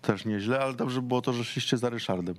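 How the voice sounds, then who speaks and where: A man's voice: medium pitch, quick pace. A man running a quiz in casual studio banter, teasing and mock-dramatic. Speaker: quiz host.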